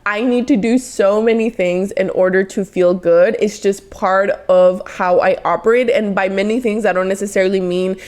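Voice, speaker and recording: A woman in her twenties with a Mexican accent, hosting a motivational solo podcast in an earnest, encouraging way, often speeding up in quick bursts. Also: mid-range voice, fairly even intonation, a little mellow. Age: 20s. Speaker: podcast host.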